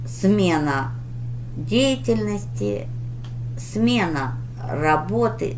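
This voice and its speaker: A woman reading tarot for her viewers in a deliberate, instructive manner, with pauses and emphatic advice. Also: fairly low pitch, slight background noise, low-quality recording. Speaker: tarot reader hosting her channel.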